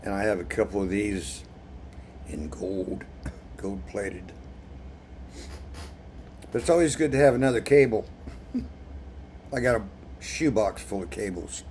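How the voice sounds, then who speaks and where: Man, very slow pace, lowish voice, wry casual vlog chat, irritated throat, some background noise. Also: a little mellow. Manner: wry, chuckling at own remarks. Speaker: video blogger.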